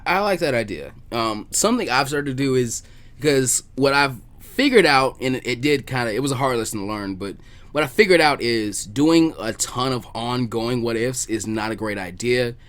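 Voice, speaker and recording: A man's voice: medium pitch, animated, moderate pace, fairly bright tone. A man hosting a casual podcast chat, talkative and informal, repeating words as he thinks aloud. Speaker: podcast host, video creator.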